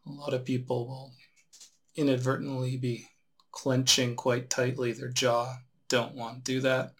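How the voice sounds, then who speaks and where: A man guiding a relaxation meditation as a teacher, giving unhurried instructions with long pauses. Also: mid-range voice, monotone.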